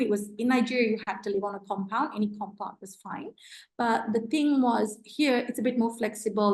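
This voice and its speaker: Woman guest, podcast interview, conversational, fillers, mid pitch. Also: darkish tone. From born in Sri Lanka, raised in Britain. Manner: chatty, thinking aloud with fillers. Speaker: guest, ambassador's spouse. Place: residence reception room.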